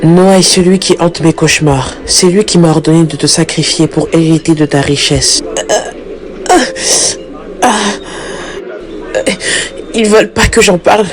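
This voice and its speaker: A woman's voice: on the low side, a little slow, pauses often, crowd noise, natural voice. A young woman playing a troubled, repentant daughter who fears death in a dramatic Christian cartoon. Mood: anguished, guilty. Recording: background music under the voice.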